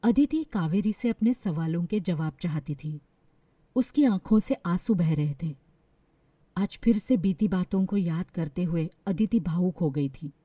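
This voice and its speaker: A woman narrating a scripted dramatic story in a measured, expressive storytelling manner. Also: lowish voice, no room sound. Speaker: storyteller, voice artist.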